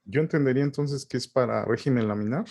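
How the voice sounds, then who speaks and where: A man's voice: medium pitch, gravelly, a little mellow. A man with a Mexican Spanish accent, a professor questioning a student over a video call and closing a seminar. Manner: probing, measured. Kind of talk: academic questioning and closing remarks.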